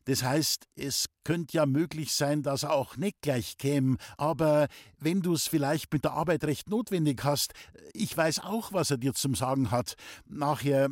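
Guy doing a shy village girl, high and flustered, stammers and rushes, dry close sound. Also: no echo. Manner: hasty, stammering.

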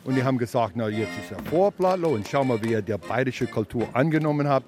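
A man's voice: medium pitch, lively intonation, fast, over music. A man telling a personal anecdote cheerfully as an interviewee.

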